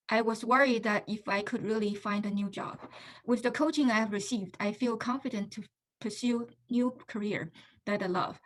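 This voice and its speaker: A woman's voice: medium pitch, low-quality recording. A woman from China with a Chinese accent, speaking English as a second language, giving an earnest testimonial with frequent fillers. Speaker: coaching student. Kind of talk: recorded testimonial.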